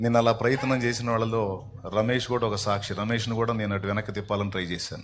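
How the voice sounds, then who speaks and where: Noticeable background noise and audible room echo surround a man's voice. He speaks at a fairly low pitch with fairly even intonation. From Andhra Pradesh, Guntur district (Chilakaluripet). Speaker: pastor. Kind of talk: testimony.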